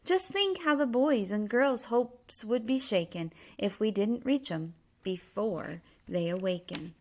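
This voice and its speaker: A woman's voice: medium pitch, lively intonation, measured pace. A woman voicing a commanding, fretful old Santa Claus from a children's storybook, declaiming instructions in rhyme. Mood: worried, resolute.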